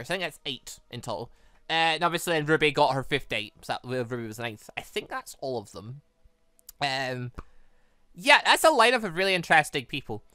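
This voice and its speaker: Animated, bright-voiced game commentator. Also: mid-range voice, dry recording, studio quality. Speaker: host of a gaming series. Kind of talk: casual rambling game commentary.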